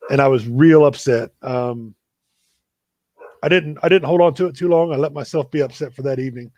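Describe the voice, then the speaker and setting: A man hosting a live video chat, telling a story in a relaxed, self-deprecating way. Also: mid-range voice, fairly quick, no room sound. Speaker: running coach and show host.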